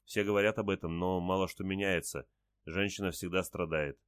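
A man reading the lines of an anxious young village woman in a soft, hushed, questioning voice. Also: deep voice, fairly even intonation, a little fast, smooth, no echo, clean studio sound, lightly acted. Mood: sad.

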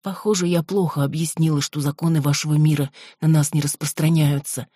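A man reading a gentle, wry young wife. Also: on the high side, level tone, brisk, husky, dry recording, clean studio sound. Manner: soft, mildly scoffing.

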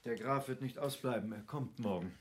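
An actor playing a genteel, well-to-do landowner in a radio drama, speaking in polite, formal period language. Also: male voice, medium pitch, normal speed, background noise, lightly acted. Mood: practical, concerned. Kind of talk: literary radio drama acting.

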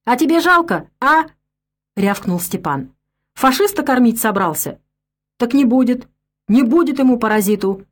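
Drunk coarse peasant man, snarling and bitter, rough country talk, storybook voice, put on by a woman narrator. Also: on the high side, lively intonation, a little slow. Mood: furious.

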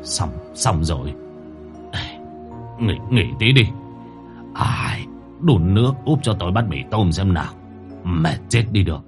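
A man voicing a weary older village shaman who talks in a slow, matter-of-fact way. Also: low voice, animated, music in the background.

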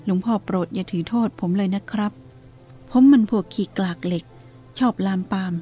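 A woman's voice: mid-range voice, steady tone, moderate pace, mellow, slightly rough, soft background music, close to an everyday voice. Woman reading as an earnest young monk. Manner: polite, earnest, self-reproaching. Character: naive, earnest young male monk, the abbot's disciple.

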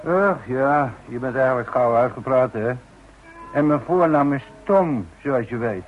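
A man's voice: mid-range voice, animated, measured pace, soft background music, close to an everyday voice. An actor in a Dutch radio play playing a cocky, slyly familiar man with a breezy, teasing, dismissive manner. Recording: tinny, noisy old radio recording.

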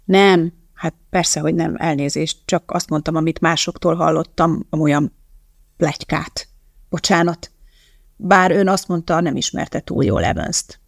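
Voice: mid-range voice, animated, vocal fry, no echo, studio quality. A reader doing a prying, fumbling newsman. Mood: apologetic. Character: nosy, awkward middle-aged male journalist.

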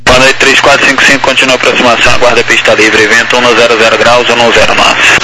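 A man's voice: medium pitch, little pitch movement, very fast, very noisy. A man working as an airport tower controller, speaking in clipped, procedural phraseology over aviation radio. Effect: aviation radio transmission. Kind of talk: air traffic radio phraseology.

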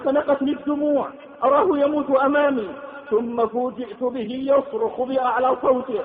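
A man's voice: very high voice, steady tone, fairly quick. A man preaching an emotive sermon, sometimes chanting his lines. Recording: echoey hall, tinny phone-like sound.

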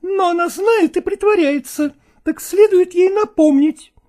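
A man's voice: very high voice, measured pace, darkish tone, pitched above the performer's own voice. A man reading aloud voices a young woman, a defiant mistress who pleads and protests. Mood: indignant, pleading. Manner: pleading, indignant. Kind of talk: audiobook reading of a classic novel.

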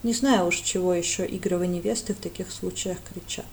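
A woman's voice: on the low side, fairly even intonation, brisk, creaky, darkish tone, slight background noise. A woman voicing a cold, curt male priest with a clipped, dry manner.

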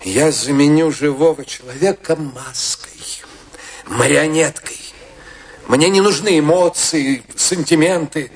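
An actor playing an arrogant, self-absorbed artist in a radio play, pompous, scornful and declamatory. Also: male voice, a little high, slow. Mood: grandiose. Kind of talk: dramatic radio play acting.

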